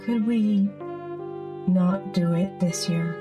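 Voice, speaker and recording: Slow-talking, wistful female AI companion over guitar. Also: on the low side. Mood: wry, worried. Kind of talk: audio drama acting.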